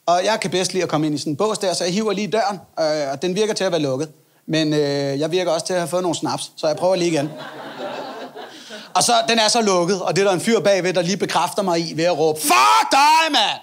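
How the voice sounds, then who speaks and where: A male stand-up comedian telling a story in a chatty, self-mocking way and acting out the people in it. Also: high-pitched.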